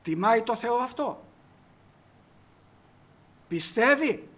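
A man's voice: very high voice, expressive, fairly bright tone. A man preaching a sermon emphatically, putting rhetorical questions to the congregation.

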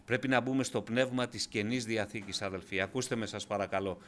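A man preaching a sermon with fervent delivery, swinging from loud emphasis to hushed asides and often addressing the congregation as brothers. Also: lowish voice, level tone, a little hiss or hum. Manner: keeps addressing listeners as brothers.

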